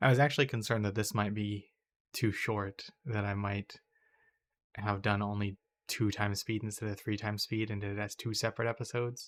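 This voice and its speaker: A man speaks at a fairly quick pace in a fairly low pitch, his intonation monotone and flat, on a very clean recording with a silent background. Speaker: gaming video creator. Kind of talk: gameplay commentary. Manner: casual, hesitant with fillers.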